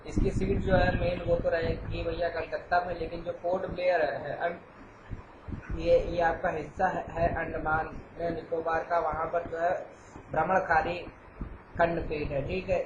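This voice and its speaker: A man's voice: fairly high pitch, flat delivery, measured pace. A man who teaches an exam-prep lecture, explains patiently and keeps checking with "theek hai". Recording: echoey, dull, noisy room.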